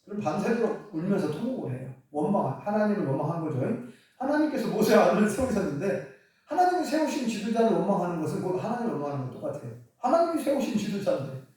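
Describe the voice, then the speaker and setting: Animated preacher in an echoey church. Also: male voice, high-pitched, quick pace. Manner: animated, storytelling, chuckling asides. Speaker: pastor. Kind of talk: sermon. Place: church sanctuary. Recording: echoey church hall from far off.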